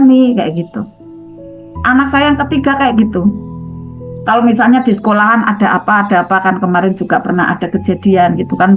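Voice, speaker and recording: A middle-aged woman shares her own experience in a relaxed, conversational way. Her voice sits a bit high, and she drops her tone to act out short quoted dialogues. The sound is somewhat dull and lo-fi, with faint music underneath. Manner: conversational, acts out little quoted dialogues in a softer voice. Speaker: speaker sharing experience in a study group. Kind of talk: casual spoken talk to a group.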